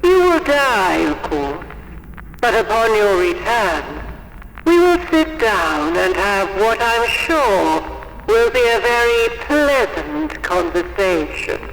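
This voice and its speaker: An actor playing a suave, sinister mastermind in a horror audio drama, gloating with theatrical mock politeness. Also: male voice, sits high, sing-song, slow pace, fairly bright tone, a little hiss or hum, full character voice. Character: suave, sinister male mastermind presiding over a deadly manor. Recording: echoing hall, music behind.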